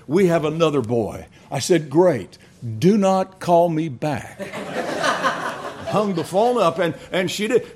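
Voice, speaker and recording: Preaching a sermon, an older man recounts family stories haltingly, restarting often and chuckling along the way. He sounds high-pitched and a little mellow.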